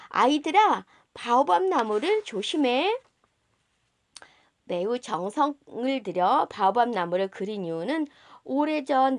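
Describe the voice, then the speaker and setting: A woman narrating a storybook in an expressive scripted reading style, as host of a read-aloud channel. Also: on the high side, no echo, clean studio sound.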